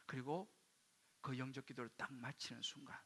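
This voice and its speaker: A male pastor telling a personal story in a sermon, dropping to hushed quoted asides and rising into sudden loud bursts. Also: mid-range voice, steady tone, normal speed, a little hiss or hum. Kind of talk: sermon testimony.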